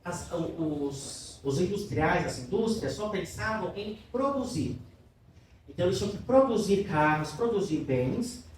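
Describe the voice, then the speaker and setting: High-voiced man teaching in an echoey room. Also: animated, unhurried. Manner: keeps checking in with students, asking questions; affectionate with the class. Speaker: literature teacher. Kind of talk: classroom lecture. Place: classroom in a cultural center. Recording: very echoey room, voice from far off, faint noise.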